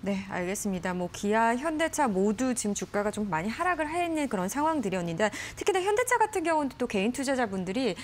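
A young woman anchoring a TV finance news show, crisp and lively in a studio. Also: on the high side, fast, hardly any pauses, a little hiss or hum.

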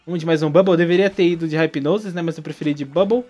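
A man's voice: on the high side, rapid-fire, darkish tone. A young Brazilian man with a Brazilian Portuguese accent, joking through playthrough commentary and talking to the game characters. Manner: jokey, exclamatory, talks to the game characters. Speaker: gaming YouTuber.

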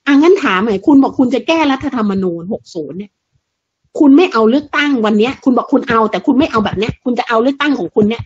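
A woman with a high, slightly mellow, husky voice delivers a fiery, blunt political monologue as a commentator, crude and mocking and packed with rhetorical questions. The sound is dull and lo-fi.

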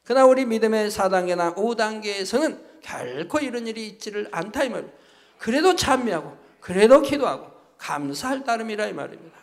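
A pastor with a voice high for a man preaches a sermon briskly in a sing-song manner. He hammers each point home with repeated tag phrases as the long reverb of a church sanctuary rings around him.

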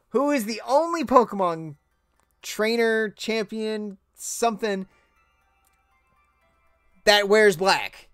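Man, casual gameplay commentary, self-mocking, lively intonation, dry recording. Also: high voice, no room sound. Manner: chatty, self-mocking asides. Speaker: let's play gamer.

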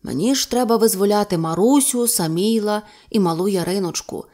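A woman voicing a proud, fierce young male Cossack hero, speaking forcefully. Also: mid-range voice, a little fast, lightly acted. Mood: resolute.

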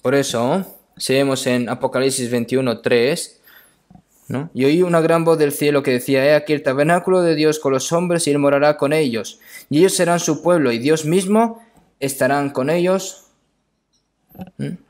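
A man delivering a sermon with scripture readings, speaking haltingly, repeating phrases and often adding short questioning tags. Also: on the high side, fairly even intonation, a little mellow.

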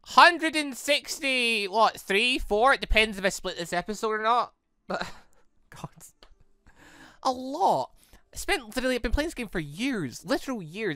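A man's voice: high-pitched, sharp tone, no echo, clean studio sound. A man hosting a gaming channel, rambling enthusiastically as he wraps up a visual novel playthrough. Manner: rambling, enthusiastic, many restarts. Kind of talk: casual game wrap-up commentary.

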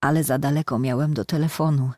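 A woman's voice: very deep voice, steady tone, fast, dark tone, dry recording, studio quality. A woman reading a proud wounded young soldier. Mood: joking proud. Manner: joking, then earnest and insistent.

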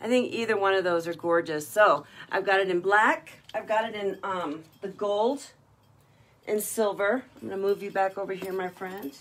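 A woman hosts a live-stream jewelry sale, talking casually and gushing over the colors and styles of every piece. Her voice sits at an ordinary middle pitch. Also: normal speed, a bit bright. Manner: chatty and gushing, praising each piece. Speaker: jewelry seller hosting a live online party. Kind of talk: live-stream sales chat.

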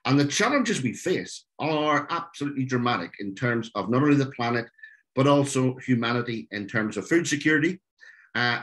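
Lively Irish man giving a talk. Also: medium pitch. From Ireland. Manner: earnest, lively, with frequent fillers. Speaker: speaker. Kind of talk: webinar talk. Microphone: video call.

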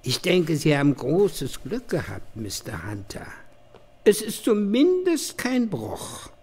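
A man playing a polite, secretive doctor with a measured, sinister manner in a horror audio drama. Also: high-pitched, wildly swooping pitch, a little mellow, husky, heavily acted. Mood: calm, polite. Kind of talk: German horror radio drama acting.

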